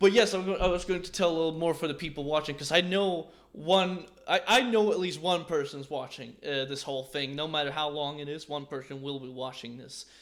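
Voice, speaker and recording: A man speaks at a fairly quick pace with a fairly high pitch, ordinary pitch variation and a slight Swedish accent. His loudness swings widely. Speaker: YouTuber interviewer. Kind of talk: casual interview.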